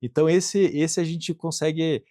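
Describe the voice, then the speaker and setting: A man's voice: on the high side, fairly even intonation, normal speed, dark tone, no echo, clean studio sound. A middle-aged Brazilian man, an industrial plant manager, answering interview questions earnestly and thinking aloud, often checking in with tag questions and repeating words. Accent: Brazilian Portuguese.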